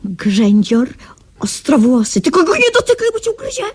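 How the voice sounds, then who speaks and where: An actress playing a doting, easily offended old aunt in a radio comedy, speaking theatrically and sing-song. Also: female voice, high voice, wildly swooping pitch, normal speed. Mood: fussy, doting. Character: doting, touchy old aunt giving odd gifts.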